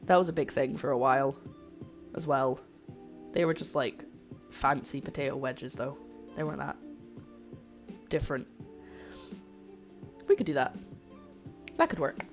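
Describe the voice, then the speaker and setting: A woman's voice: very deep voice, animated, unhurried, pauses often, faint music behind. A young woman with a light Scottish accent, chatting casually to her viewers while cooking in her kitchen on a live stream. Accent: light Scottish-English mix. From Scotland. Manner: chatty, rambling, talks to chat. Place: home kitchen.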